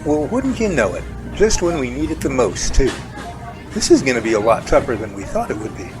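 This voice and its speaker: Guy acting as a folksy tired professor in an audio drama, very animated pitch, music playing behind him. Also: a little fast, lightly acted. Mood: weary. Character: weary, folksy male professor running a Bigfoot lab.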